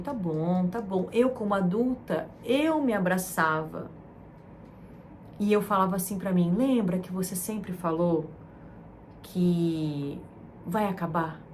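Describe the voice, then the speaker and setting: A woman from Brazil gives a gentle motivational talk. Her voice is soft and soothing, she lingers on repeated words, and a faint noise sits under the recording. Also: mid-range voice. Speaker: self-help channel host.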